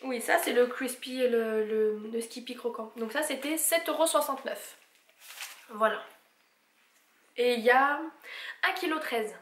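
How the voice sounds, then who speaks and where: Chatty high-voiced woman in an echoey room. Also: measured pace, pauses often. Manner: chatty, lists prices, stumbles on English brand names. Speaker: vlogger showing a shopping haul. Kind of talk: casual haul vlog chat. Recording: echoey room with faint noise.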